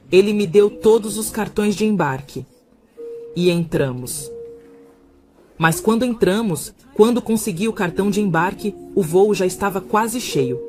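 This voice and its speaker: A woman's voice: mid-range voice, a little mellow. A mother giving an earnest religious testimony of a vision, often repeating her words. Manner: earnest, repetitive retelling.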